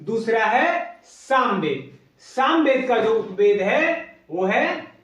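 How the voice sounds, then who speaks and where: A man teaching an exam coaching lesson, asking questions and then repeating the answers slowly. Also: extremely high pitch, sing-song, a bit bright, far from the mic, dull audio. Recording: echoey room, voice away from mic.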